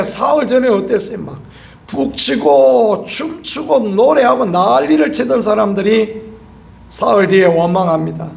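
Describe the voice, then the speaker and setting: A man's voice: sits high, creaky. A middle-aged man preaching a sermon as a pastor, asking the congregation rhetorical questions and bursting into emphatic exclamations. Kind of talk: early-morning sermon. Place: church sanctuary.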